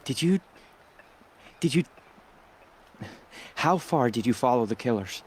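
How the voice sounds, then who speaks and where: Anguished, halting tribal hunter. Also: male voice, mid-range voice, animated, a little mellow, a little hiss or hum. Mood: shaken, urgent. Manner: halting, breaking off mid-sentence. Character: anguished tribal hunter man, fearful, ashamed, pleading. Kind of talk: dramatic video game dialogue acting.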